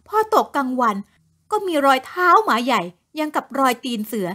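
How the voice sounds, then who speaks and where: Young village wife, easily frightened, shrill high cries, very lively; a woman plays her in an audio story. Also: normal speed, heavily acted. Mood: complaining.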